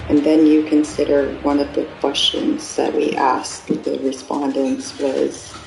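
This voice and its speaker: A former Amish speaker, a native speaker of Pennsylvania Dutch, explains things in a slow, deliberate, measured way. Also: mid-range voice, flat delivery, creaky, a little mellow. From Amish settlements in the US. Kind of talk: earnest explanatory talk. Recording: echoey room with music underneath.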